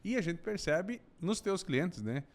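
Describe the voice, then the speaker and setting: A middle-aged man from southern Brazil with a gaúcho accent, a podcast guest telling his story in a relaxed, joking way. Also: high voice, a little slow. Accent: Gaúcho Brazilian Portuguese. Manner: warm storytelling, jokey asides. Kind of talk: casual podcast conversation.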